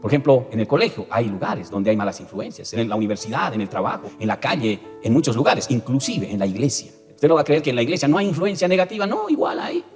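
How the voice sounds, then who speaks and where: A pastor preaching a sermon, often turning to the congregation with rhetorical questions. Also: male voice, mid-range voice, expressive, fast, hardly any pauses, long reverb tail, soft background music. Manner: preaching with frequent direct address and rhetorical questions.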